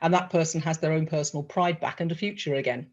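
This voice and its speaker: A woman hosting an interview, effusive and animated as she tells stories and asks questions. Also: low voice, fast talker. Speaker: interviewer, host. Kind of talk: chatty interview. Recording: dull lo-fi sound.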